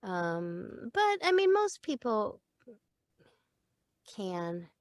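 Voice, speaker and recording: A middle-aged woman, a voice actor and acting coach, chatting in an interview in a lively way and laughing easily. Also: medium pitch, very slow, no room sound, clean studio sound. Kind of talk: casual interview chat.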